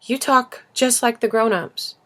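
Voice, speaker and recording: A woman's voice: on the high side, measured pace, a bit bright, voice pushed up. A woman voicing an earnest, passionate little boy prince in a storybook reading, speaking insistently and emphatically. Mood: indignant, scolding. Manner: insistent, emphatic, rhetorical questioning. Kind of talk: storybook character voice in audiobook reading.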